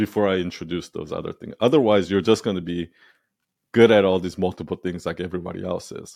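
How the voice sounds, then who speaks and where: A man with a very deep, low pitch at a very fast pace, against a quiet background. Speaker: podcast host and marketing coach. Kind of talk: coaching conversation.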